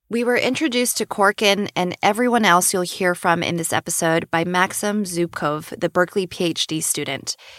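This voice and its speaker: Recorded dry and close with no echo, a woman talks at a moderate pace in an unremarkable speaking voice, medium in pitch with ordinary pitch variation. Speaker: radio host. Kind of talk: news-style interview.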